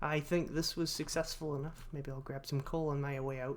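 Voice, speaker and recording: A man at a moderate pace. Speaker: gaming YouTuber. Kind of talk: casual gameplay commentary.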